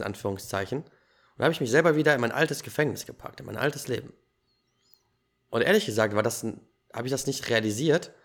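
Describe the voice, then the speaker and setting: Male podcast host, relaxed and chatty, swapping personal stories, medium-pitched voice. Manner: animated storytelling, laughs easily, youthful slang. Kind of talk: casual podcast conversation.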